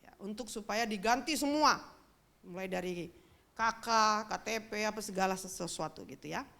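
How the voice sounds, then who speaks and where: A woman's voice: mid-range voice, moderate pace, vocal fry, fairly bright tone. A middle-aged woman pastor, giving a sermon as a chatty personal story and speaking straight to the congregation. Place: church.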